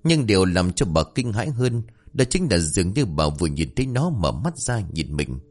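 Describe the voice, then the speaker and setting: Man, horror story narration, expressive, low voice, lively pitch. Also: moderate pace. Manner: expressive, swinging between tense and hushed.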